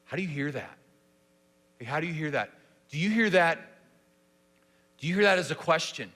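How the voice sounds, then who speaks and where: Male preacher, casual sermon delivery, bright and forceful, lots of questions to the room. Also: fairly high pitch, animated, normal speed, in a large hall. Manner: conversational, rhetorical questions, many "like"s. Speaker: pastor. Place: church sanctuary.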